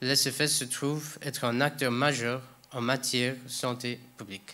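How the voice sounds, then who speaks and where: A man speaks very slowly with a non-native accent, in a monotone with flat intonation. His tone is bright and sharp. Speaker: doctor, blood service site manager. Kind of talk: lecture. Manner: halting.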